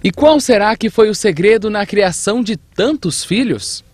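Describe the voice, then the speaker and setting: A man's voice: high voice, animated, moderate pace, slight background noise. A young Brazilian man narrating a scripted news feature as a TV reporter.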